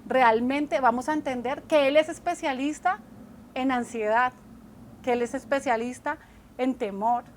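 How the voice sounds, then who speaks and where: Earnest high-voiced woman. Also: a little slow, slight background noise. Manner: earnest, reflective, often ends points with a checking "right?". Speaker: co-host of a Christian women's talk show. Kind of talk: faith-based casual conversation.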